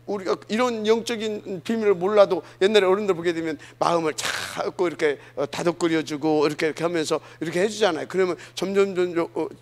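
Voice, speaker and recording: A man preaching a sermon, often asking the congregation questions and swinging between loud emphasis and soft asides. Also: high-pitched. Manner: asks the congregation questions, many fillers, dynamic swings. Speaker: pastor.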